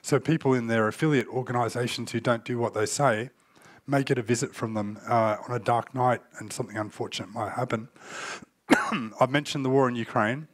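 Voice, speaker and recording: A man who is getting over a cold, giving a conference talk with many pauses and fillers. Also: mid-range voice, fairly even intonation, no echo. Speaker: cybersecurity speaker.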